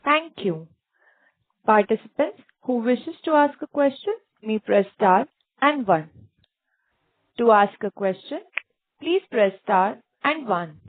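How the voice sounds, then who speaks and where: An Indian woman gives formal operator announcements on a conference call. Her voice sits a bit high. The sound is dry, with the muffled tone of a phone line. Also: lively intonation, takes it slowly, long pauses, no room sound.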